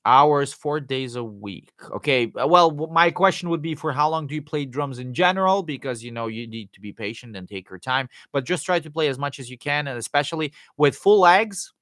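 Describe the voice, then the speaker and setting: A man hosting a live Q&A, answering viewer questions in a loose, rambling way with fillers and restarts, his voice going hoarse. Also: a little high, expressive, brisk, few pauses, a bit bright, no echo, clean studio sound. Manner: rambling, many fillers and restarts, jokey asides. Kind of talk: casual live-stream Q&A, reading and answering chat questions.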